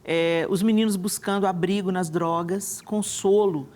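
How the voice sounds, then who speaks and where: A woman's voice: lowish voice, steady tone, measured pace, a little mellow, slight background noise. A woman hosting a TV talk show from a studio, speaking enthusiastically with frequent restarts and tag questions. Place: television studio.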